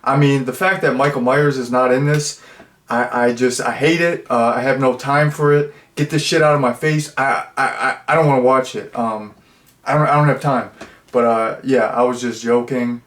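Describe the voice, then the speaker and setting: Casual male film reviewer, meandering and jokey, mid-pitched, in a roomy echoey space. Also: fairly even intonation, moderate pace, a bit bright. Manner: rambling, full of fillers and jokey asides. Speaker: movie reviewer. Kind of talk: casual chat. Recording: roomy echo.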